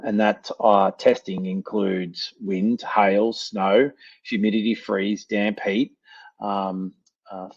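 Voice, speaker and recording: An Australian man with a husky, low-set voice explains things on a webinar, dotting his talk with ums and restarting words. The sound is dull and lo-fi, like web call audio. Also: a little mellow. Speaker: company presenter. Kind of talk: webinar presentation and Q&A answers.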